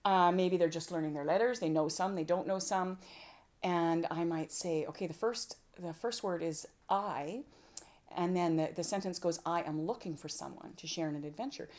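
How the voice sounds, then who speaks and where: A woman presenting an informal workshop on homeschooling, lively and fond of acting out little exchanges between a parent and a child. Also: lowish voice, normal speed. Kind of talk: informal teaching talk to a group.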